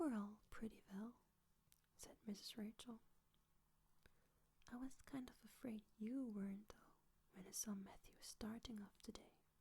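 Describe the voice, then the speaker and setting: The speaker is soft-spoken with a non-native accent. Long, frequent pauses run through the speech. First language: not English. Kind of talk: soft-spoken audiobook reading for sleep. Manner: soft-spoken, calming.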